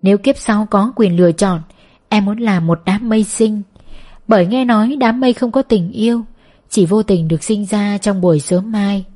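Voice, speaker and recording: A woman voicing a frightened pregnant young woman who murmurs softly and wistfully. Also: medium pitch, normal speed, natural voice.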